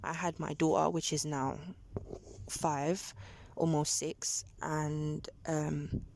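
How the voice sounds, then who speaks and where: A woman's voice: low voice, flat delivery, slow pace, gravelly, a little mellow. A woman, a taxi rider telling her life story in a plain, matter-of-fact way, with restarts along the way. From London. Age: 20s. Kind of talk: personal life story told in conversation. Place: back of a taxi. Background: child's noise and ambience.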